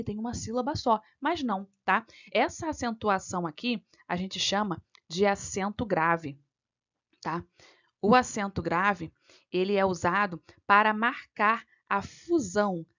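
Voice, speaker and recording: Woman, exam-prep tutor, patient step-by-step delivery, mid pitch, slightly muffled home recording. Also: a bit bright. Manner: frequent "tá?" and "né?" checks, patient step-by-step explaining. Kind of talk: explaining a grammar exam question.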